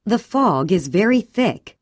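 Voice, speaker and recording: Clear, even and deliberate, a female English audio reader works slowly through short scripted drill sentences. Her mid-range voice moves lively in pitch, heard dry and close with no room sound behind her.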